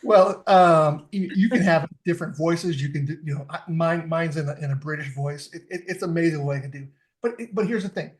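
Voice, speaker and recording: High-voiced enthusiastic man explaining. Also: a little fast. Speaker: fitness technology expert guest. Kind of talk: casual podcast interview.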